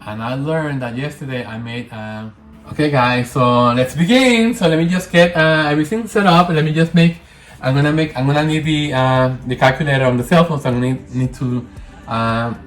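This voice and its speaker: A man with a Spanish accent walks through his craft in a loose, chatty way, stopping and restarting his sentences as he thinks. His voice sits at an everyday middle pitch. The room around him rings with echo, and faint music plays underneath. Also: normal speed. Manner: rambling, self-correcting, chatty. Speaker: candle maker. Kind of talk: casual hands-on tutorial.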